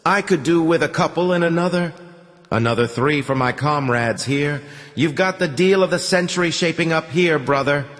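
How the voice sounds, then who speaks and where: A man's voice: fairly high pitch, moderate pace, fairly bright tone, pitched above the performer's own voice, close to an everyday voice. A man voicing a brash, crude streetwise broker who wheedles and haggles, in a reverberant audiobook reading.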